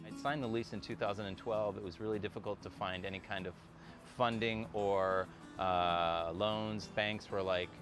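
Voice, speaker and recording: A middle-aged man from Iraq, a small business owner, speaking reflectively in a documentary interview with many pauses and fillers. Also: on the low side, steady tone. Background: background music.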